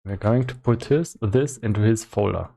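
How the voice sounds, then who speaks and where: A man giving casual live-stream commentary as he works on a game, thinking aloud in a halting way with repeated words. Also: fairly low pitch, gravelly, dark tone. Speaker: solo game developer streaming.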